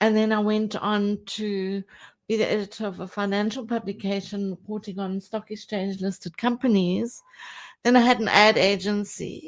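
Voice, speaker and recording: A woman's medium-pitched voice, moderate in pace, with monotone, flat intonation. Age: 60s. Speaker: life and business coach. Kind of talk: radio interview.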